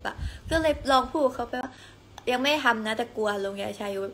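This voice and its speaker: A young woman hosting a casual livestream from home, telling stories in a chatty, giggly, animated way. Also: a little high, brisk, a little hiss or hum. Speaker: idol livestream host.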